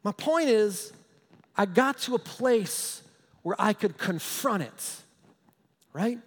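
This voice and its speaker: Pastor preaching: man, high voice, story-driven and emphatic, chuckles, echoey hall. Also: animated, slow pace. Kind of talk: sermon.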